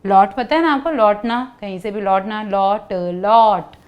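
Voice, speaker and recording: On a lo-fi recording, a woman with a medium-pitched voice leads a Hindi lesson for children. She works through letter sounds, asking plenty of questions and elongating each one slowly for the kids to repeat.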